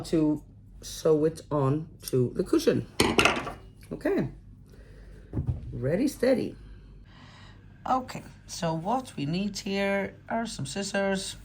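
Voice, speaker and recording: A woman in her forties with an Icelandic accent and a low-pitched voice, talking through a crafting tutorial. She speaks casually and rambles, correcting herself and filling gaps as she goes. Faint background noise sits under her voice. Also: dark tone. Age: 40s. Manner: chatty, rambling, self-correcting with fillers. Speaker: crochet pattern designer.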